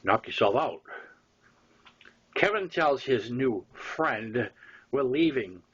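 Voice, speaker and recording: A man with a Boston accent reading his own story aloud in an informal way, with halting, emphatic repeats and wry asides. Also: mid-range voice, animated, a bit bright, husky. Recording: dull lo-fi audio.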